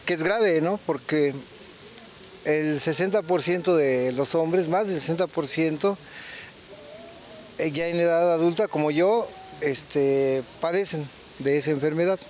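A man's voice: a little high, a little slow. A man in his sixties with a Mexican Spanish accent, answering a street interview outdoors into a handheld mic, thoughtful and hesitant with many fillers. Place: outdoor town square. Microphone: handheld reporter mic.

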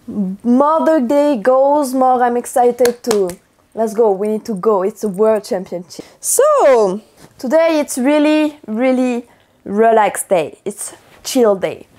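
A young woman from France speaking English with a French accent, chatting casually in her vlog with a hoarse morning voice. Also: on the high side, animated, slow pace, darkish tone. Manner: chatty, upbeat, loose non-native phrasing. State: hoarse from just waking up. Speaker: athlete vlogger.

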